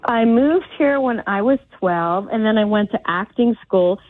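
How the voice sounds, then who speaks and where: A woman's voice: mid-range voice, animated, a little slow, no room sound. A woman from Sweden on a phone call, speaking in an articulate, indignant way. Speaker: caller. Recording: tinny phone line.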